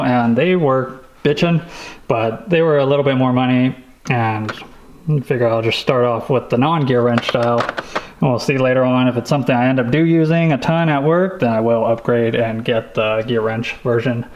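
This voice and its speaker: A man casually showing off tools he bought, talking in a relaxed, rambling way with lots of fillers. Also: mid-range voice, background noise. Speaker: vlogger showing a tool haul. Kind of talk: casual show-and-tell chat.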